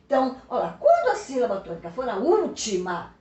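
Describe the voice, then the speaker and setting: A Brazilian woman teacher with a somewhat high voice leads a recorded remote lesson, patient and encouraging. She draws example words out slowly and keeps checking in with short questions. The room around her sounds roomy and echoey. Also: wildly swooping pitch, dark tone. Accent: Brazilian Portuguese.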